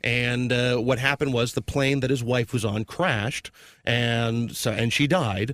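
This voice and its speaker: A man's ordinary speaking voice at a medium pitch and fairly slow pace, with fairly even intonation, very even loudness and a dry, close sound with no echo. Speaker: comedy podcast co-host. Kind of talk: casual comedic chat.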